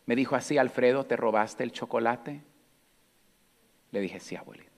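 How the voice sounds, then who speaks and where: A man preaching a sermon as pastor, telling a personal story and dropping to a soft near-whisper at quiet moments. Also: medium pitch, moderate pace. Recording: long hall reverb.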